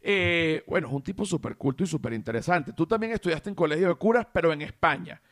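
A Venezuelan man hosting a podcast, chatting and joking in an animated way, often stretching words for emphasis. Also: a little high, quick pace, no room sound, clean studio sound. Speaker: podcast host. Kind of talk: casual comedic chat.

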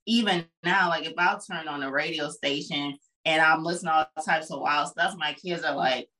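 A woman's voice: deep voice, normal speed, pushed and bright, recorded from a distance, low-quality recording. A woman in her forties hosting a podcast interview, chatting loosely with many fillers. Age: 40s. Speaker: podcast host. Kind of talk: casual interview chat.

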